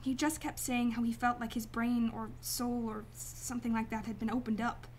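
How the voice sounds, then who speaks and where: A woman's voice: a little high, fairly even intonation, normal speed, slight background noise, natural voice. A woman playing a guarded, determined client in a sci-fi radio drama, speaking earnestly, firmly and formally. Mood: grave. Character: determined, guarded female client seeking her brother's killer. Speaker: actress in a radio play.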